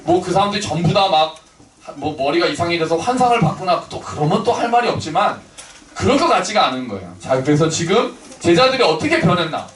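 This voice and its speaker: A man pastor delivers a chatty, animated sermon, his high voice swinging widely as he acts out little scenes. He is picked up from a distance in an echoey church hall, with a faint hiss in the background. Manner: conversational, acts out quotes in voices. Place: church sanctuary.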